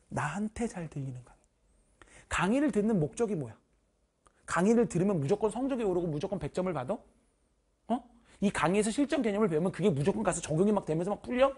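A male math teacher giving an online course orientation, talking directly and informally to students in an animated, teasing way with bursts of loud emphasis. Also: fairly high pitch, breathy edge.

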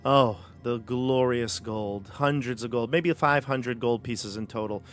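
A man's voice: mid-range voice, measured pace, soft background music. A man running a tabletop game as game master over a video call, narrating loosely with lots of fillers. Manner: rambling, easygoing, many fillers. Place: home room, video call. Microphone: headset.

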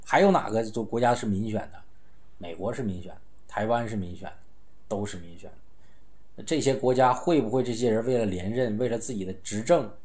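A man's voice: fairly low pitch, fairly quick, darkish tone. Middle-aged man, wry informal commentator. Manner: conversational, wry, with rhetorical questions and sighs. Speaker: host of a political commentary show. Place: small indoor room, seated.

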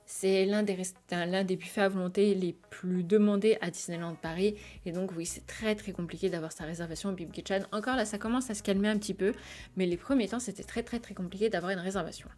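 A woman's voice: mid-range voice, fairly even intonation, quick pace, darkish tone. Chatty French woman vlogger voice-over. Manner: chatty, many fillers and restarts. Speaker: vlogger reviewing restaurants. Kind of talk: voice-over review, partly read descriptions.

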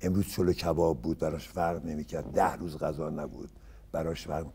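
A man's voice: extremely low pitch, a little hiss or hum. A man in his seventies from Iran, a guest actor recalling old stories in a casual interview and acting out what others said. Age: 70s. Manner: animated storyteller who acts out others' words.

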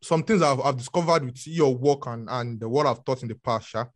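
A man with a Nigerian accent hosts a podcast over a video call. His voice sits at a middle pitch. He talks haltingly, restarting his sentences and leaning on fillers. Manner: halting, many restarts and fillers, repeats "actually" and "honestly". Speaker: podcast host. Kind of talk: podcast interview.

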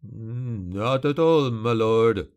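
A man's voice: mid-range voice, extremely slow, a little mellow, highs cut off. Man playing a nervous, pleading innkeeper. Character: timid male innkeeper, anxious, pleading father.

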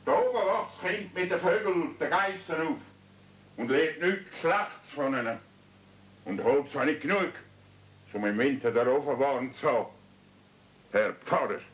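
An actor playing a stubborn, embittered old mountain recluse in a radio play, blunt and weighty, with a Swiss German accent. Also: male voice, on the high side, normal speed, long pauses, a bit bright, lightly acted. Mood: indignant. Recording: dull 1970s radio-play recording.

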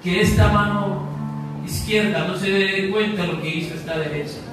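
A man's voice: high voice, steady tone, normal speed. A young man preaching a sermon as pastor, building to emphatic, half-sung lines. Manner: preaching with swelling emphasis, sometimes half-singing. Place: church hall with flags and balloons. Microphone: far camera at the back of the room. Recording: echoey hall heard from far off, piano behind.

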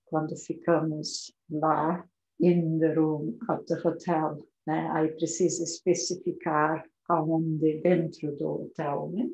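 Slow, low-voiced woman teaching English. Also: level tone, vocal fry, darkish tone, echoey room, poor audio. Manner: repeats English phrases slowly between Portuguese explanations. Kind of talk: language lesson.

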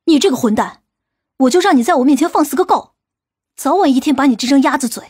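An actress playing a stern, sharp-tongued female police team leader in an audiobook, commanding and scolding. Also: high voice, animated, quick pace, no room sound, clean studio sound. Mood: angry. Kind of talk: acted audiobook dialogue.

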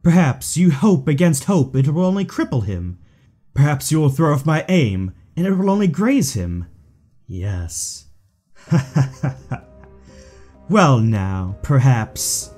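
A man's voice: on the high side, sing-song, takes it slowly, a little mellow, faint music behind, exaggerated voice. A man playing a suave, theatrical villain in an audio drama, taunting his rival with mock affection. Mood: mock-tender. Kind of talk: fan audio drama acting.

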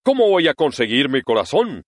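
A blunt, angry tin woodcutter, as a man reading the story voices him, close to the reader's own voice but with a wide, lively tone. The recording is close and dry. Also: medium pitch, a little fast, dry recording, pitched above the performer's own voice. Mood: indignant.

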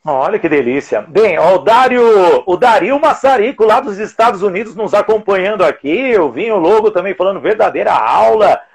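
Husky chatty Brazilian live host. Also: male voice, high-pitched, lively intonation, moderate pace, few pauses. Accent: Brazilian Portuguese. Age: 40s. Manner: chatty, jokey, announces schedule. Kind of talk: casual live interview chat. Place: room at home. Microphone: earphones with mic on video call.

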